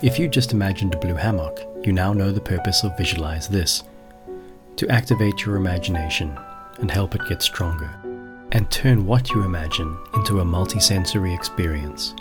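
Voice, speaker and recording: A man's voice: low voice, normal speed. A man narrating a scripted guided visualization, speaking directly to the listener in an instructive way. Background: music.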